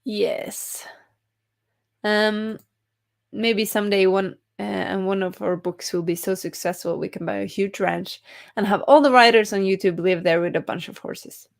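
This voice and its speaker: A woman's voice: medium pitch, moderate pace, vocal fry. A young woman hosting a writing live stream, reading chat comments aloud in a cheerful, giggly way.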